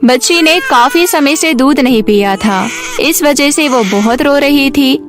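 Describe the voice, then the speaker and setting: A woman narrates a scripted story for children. Her voice sits high. Light music plays behind the narration. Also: lively intonation, unhurried. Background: background music.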